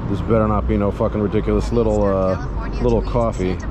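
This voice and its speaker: A man keeps a fairly quick pace while noticeable background noise plays behind him. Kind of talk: casual vlog chat. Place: street. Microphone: helmet.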